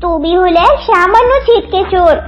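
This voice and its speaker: A woman's voice: extremely high pitch, normal speed. A woman voicing a young duckling girl in a children's cartoon, childlike and plaintive. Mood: defiant. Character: timid little duckling girl, growing brave.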